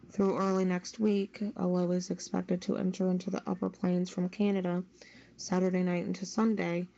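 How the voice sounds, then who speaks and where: Woman, scripted weather report, lowish pitch, little intonation, muffled recording. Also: creaky, warm tone. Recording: dull lo-fi sound.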